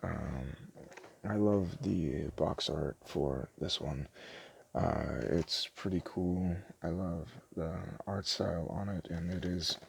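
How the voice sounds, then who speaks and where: A man doing a casual, improvised ASMR shopkeeper roleplay, soft-spoken and hesitant, rambling in a self-deprecating way. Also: sits low, slow, gravelly, slight background noise. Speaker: ASMR roleplayer playing a small DVD shop owner.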